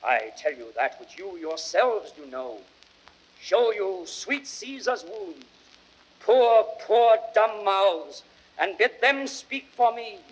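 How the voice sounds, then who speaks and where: An actor playing a grieving Roman orator rousing a crowd in impassioned theatrical Shakespearean declamation. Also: male voice, high-pitched, sing-song, slightly rough, heavily acted, low-quality recording. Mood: mournful, pleading. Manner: impassioned, drawn-out, swelling from hushed to shouted.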